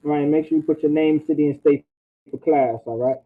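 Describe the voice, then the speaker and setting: A man's voice: on the high side, fairly even intonation, brisk. A man teaching an online language class, repeating phrases and checking in with "all right?". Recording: tinny phone-like audio.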